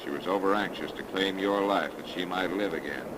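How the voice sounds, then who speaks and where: A man playing a deep, calm radio hero. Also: a little fast, lightly acted. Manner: calm, folksy, explanatory. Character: steady, wry male investigator hero. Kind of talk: 1930s radio drama acting. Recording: hissy 1930s radio recording.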